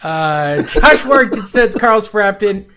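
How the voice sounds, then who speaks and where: A man talks with a slightly higher voice, hosting a casual show in a rambling, wisecracking way. He drifts from topic to topic and throws in jokes along the way. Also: lively intonation, slow pace, bright, forceful tone. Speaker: podcast host. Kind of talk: casual chat.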